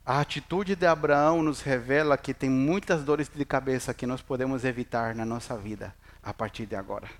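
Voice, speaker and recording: A man's voice: medium pitch, normal speed, hardly any pauses. A middle-aged man preaching in Portuguese, a pastor who jokes with the congregation and asks them questions. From Chile. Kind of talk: sermon.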